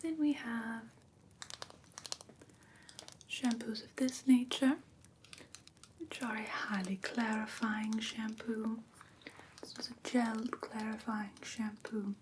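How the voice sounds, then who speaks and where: A woman playing a gentle vampire teacher in a whispered ASMR roleplay, patiently instructing in a soft, breathy, soothing way. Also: fairly high pitch, fairly even intonation, slow pace, long pauses, noisy background. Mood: gentle, instructive. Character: gentle female vampire teacher of human pet care.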